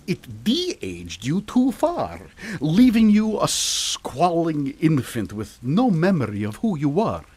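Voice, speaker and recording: An actor playing a boastful, theatrical mad scientist in a comic radio drama, with grandiose, drawn-out dramatic delivery. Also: male voice, medium pitch, a little mellow, breathy edge, exaggerated voice. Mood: grave revelation. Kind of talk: melodramatic radio comedy acting.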